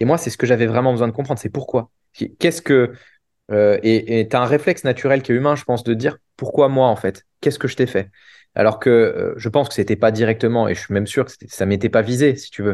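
Over a quiet background, a man speaks at a very fast pace. His pitch is medium, with ordinary pitch variation. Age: 30s. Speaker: tech company founder. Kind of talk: interview testimony.

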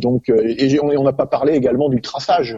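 With a dark, mellow tone and a somewhat breathy quality, a man speaks fairly quickly at a fairly high pitch, the sound dry and close with no echo. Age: 50s. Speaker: ultra-distance cyclist. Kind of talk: casual interview.

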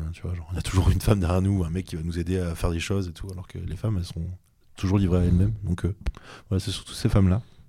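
A man with a very deep, low pitch and a dark, mellow, somewhat breathy tone talks very fast in a monotone, flat delivery. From French provinces. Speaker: podcast host. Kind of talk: casual interview. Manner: halting.

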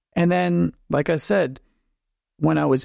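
A man speaks at a fairly slow pace with a Canadian accent. The recording is very clean, with a silent background and a dry, close sound with no echo. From Saskatchewan, Canada. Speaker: author. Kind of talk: interview.

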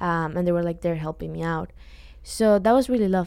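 A woman with a Colombian accent speaks in a fairly low pitch with a dark, mellow tone, on a very clean recording with a silent background. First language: Spanish. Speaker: film student and director. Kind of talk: casual interview chat.

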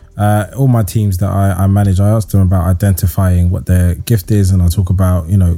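Somewhat breathy, a man with a British accent has a very deep, low pitch and a dark, mellow tone. He moves at a fairly quick pace with fairly even intonation. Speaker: podcast host. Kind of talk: casual chat. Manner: halting.

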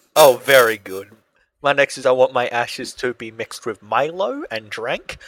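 In a strong Australian accent, a man talks at a fairly quick pace in a dry, close sound with no echo. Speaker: podcast co-host. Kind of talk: casual chat.

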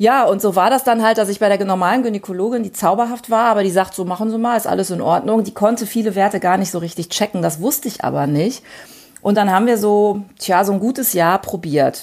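A woman speaks very fast, her medium pitch varying in an ordinary way. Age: 40s. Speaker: podcaster. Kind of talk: casual chat.

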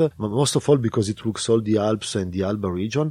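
A man with an Italian accent speaks at a fairly quick pace in a fairly low pitch. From Piedmont, Italy. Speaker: winemaker. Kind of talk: casual interview. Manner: halting, hesitant.

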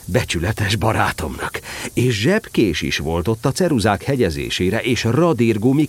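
The passage is delivered as plain reading aloud.

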